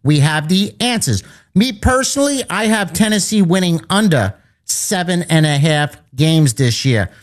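A man hosting a sports betting radio show, rattling off lines and numbers as he pitches his picks. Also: lively intonation, a little slow. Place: East Coast of the United States.

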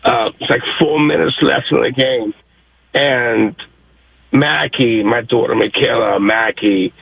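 A hoarse, excited man from New York calling in to a sports show, rambling with lots of fillers. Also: mid-range voice, measured pace, dry recording. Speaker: caller. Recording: tinny phone line.

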